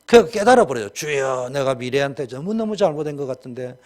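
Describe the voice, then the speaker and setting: A man's voice: medium pitch, lively intonation, fairly quick, darkish tone. A man with a Gyeongsang Korean accent preaching a sermon as pastor, colloquial and emphatic, with many rhetorical questions.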